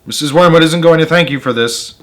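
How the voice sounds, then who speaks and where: A man voicing a boorish middle-aged father in a storybook, irritable, gruff and dismissive. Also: fairly high pitch, a little fast, fairly bright tone, voice pushed up, natural voice. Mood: grudging. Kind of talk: storybook read-aloud character voice.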